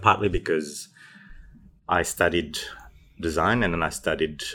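A man in his thirties from Indonesia, speaking English as an interview guest, thoughtful and halting with many fillers. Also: sits low, sharp tone. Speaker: guest, poet and PhD student. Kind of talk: casual interview answers.

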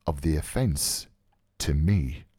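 Man doing a chilly brooding young scholar, low and clipped, dry sound. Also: slow, mellow, no echo, exaggerated voice. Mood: cold.

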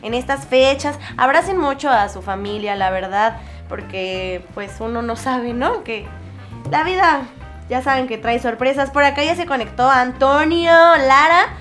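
A young Mexican woman hosts a relaxed radio show with a high, bright-pitched voice. She chats playfully and laughs easily with her co-host. Faint music plays underneath. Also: a little slow. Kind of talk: casual radio chat.

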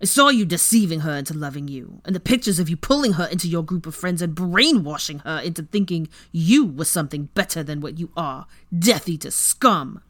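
A woman's voice: low voice, animated, fairly quick, hardly any pauses. Woman voicing a snarling, hateful bound man. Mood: bitter. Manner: angry, spitting, vehement.

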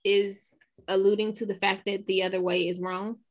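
A woman's voice: medium pitch, flat delivery, normal speed. A woman with an African American accent talking casually in a group discussion.

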